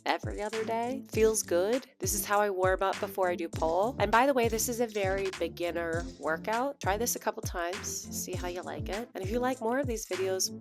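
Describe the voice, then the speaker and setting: A young woman, a workout instructor, talks listeners through a beginner warm-up in a soft, breathy, encouraging voice. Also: medium pitch, fairly quick, few pauses. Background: workout music.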